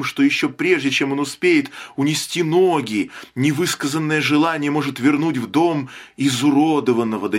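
A man narrating a dark short story as a dramatic audiobook, measured and expressive. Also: medium pitch.

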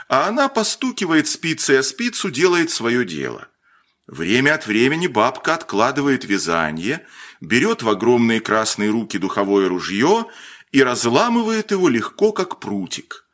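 Male narrator, mid pitch, very lively intonation, measured storybook delivery. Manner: expressive, measured reading with shifts in pitch for emphasis.

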